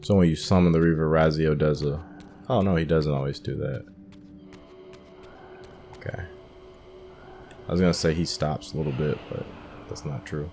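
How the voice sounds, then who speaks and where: A man's voice: rumbling low, fairly even intonation, moderate pace, long pauses, a little mellow, faint music behind. A man giving casual commentary as he plays a video game, musing and thinking aloud as he works things out. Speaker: gamer hosting a playthrough.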